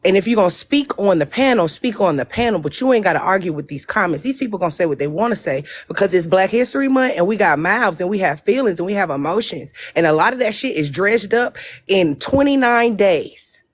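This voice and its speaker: A woman's voice: mid-range voice, animated, a little fast, slight background noise. A woman with an African American English accent talks on a live panel. She is blunt and impassioned, stressing her points by repeating phrases in casual speech. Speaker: panel speaker.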